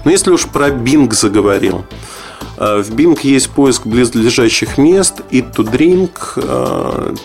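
Casting: male gadget reviewer, matter-of-fact and doubtful, fry-laden voice, quiet music bed. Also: mid-range voice, animated, slow. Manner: matter-of-fact, skeptical, explanatory. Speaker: tech reviewer. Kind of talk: informal spoken product review, loosely scripted.

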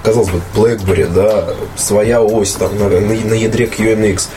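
Deep-voiced man in casual interview. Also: fairly even intonation, normal speed, noisy background. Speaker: interviewer, tech journalist. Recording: music clearly behind the voice. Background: background music.

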